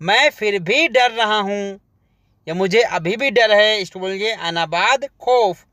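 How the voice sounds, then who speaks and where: Guy doing a slow phrase lesson, higher voice, dry close sound, says everything twice. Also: bright, forceful tone, no room sound. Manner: slow, repeats each phrase then explains word by word. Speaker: language teacher.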